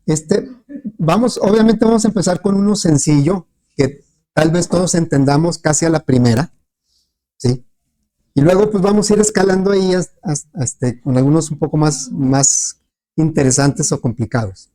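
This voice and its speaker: A man teaches a class in a slightly high, warm voice at a moderate pace. He patiently checks in with his students by asking questions often, and his classroom lecture is full of fillers and restarts.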